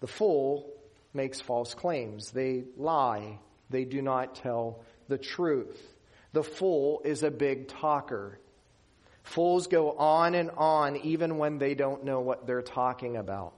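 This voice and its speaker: A man from Western Pennsylvania preaching a sermon in an earnest, emphatic way. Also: mid-range voice. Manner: earnest, emphatic preaching with slow deliberate pauses. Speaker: pastor.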